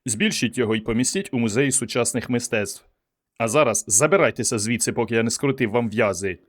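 A blunt lab technician with a gruff, sarcastic edge, voiced by a male narrator. He talks dryly and ends in a threat. An audiobook character. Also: mid-range voice, fast, lightly acted.

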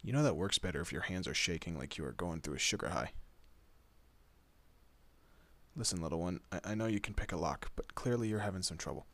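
A man plays a male monster detective in a horror audio roleplay. His voice is low and husky with a bright, forward edge. He talks casually, needling his human partner while looking out for them. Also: animated, fast talker, exaggerated voice. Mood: easygoing, coaxing. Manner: casual, teasing, muttered asides. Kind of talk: horror roleplay audio drama, addressing the listener.

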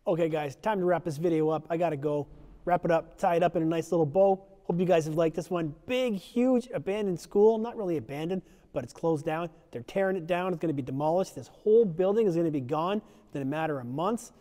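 A middle-aged man casually talking viewers through an abandoned school as he walks, calling them guys in low-key asides, on a handheld camera mic. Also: fairly quick, mellow. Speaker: urban explorer vlogger. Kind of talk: casual walkthrough commentary. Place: empty abandoned school, large indoor halls and rooms.

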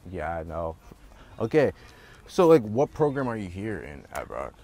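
A young man with a fairly low voice hosts a student interview. He talks informally and banters with his guest, out on a sports field. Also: big pitch swings, moderate pace, a little mellow. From Toronto, Canada. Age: young adult. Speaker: student show host, interviewer. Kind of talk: casual interview chat.

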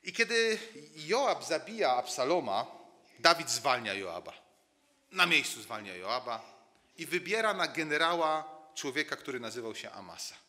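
A man's voice: mid-range voice, big pitch swings, moderate pace, sharp tone, long reverb tail. A man preaching a sermon in a church, telling the story dramatically, dropping to a near-murmur and rising again, often repeating words as he builds a point.

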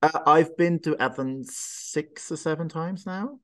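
A man's voice: a little high, unhurried, a bit bright. A man interviewing a guest over a video call, asking friendly, chatty questions from a small room.

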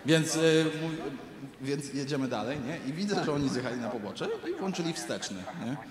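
A man tells a crude comic story on a big arena stage, and his voice leaps up and down as he acts out each person in it. His pitch sits a little high for a man. The sound carries the long echo of a huge hall, with crowd ambience behind him. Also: brisk. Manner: animated, profane, acts out quoted people. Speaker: stand-up comedian. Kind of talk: stand-up storytelling. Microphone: handheld stage mic. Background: audience laughter.

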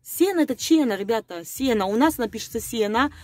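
A woman's voice: fairly high pitch, expressive, quick pace, darkish tone, no room sound. Rambling conspiratorial woman, dry close sound. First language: Russian. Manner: rambling, hesitant, breaks off words and repeats them; conspiratorial, chews over word roots aloud. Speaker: video blogger. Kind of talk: casual speculative monologue to viewers.

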